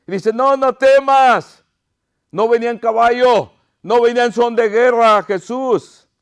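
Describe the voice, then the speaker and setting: A man's voice: very high-pitched, steady tone, moderate pace, clean tone. A pastor preaching an impassioned sermon to his congregation, crying out pleas and calling them his brothers.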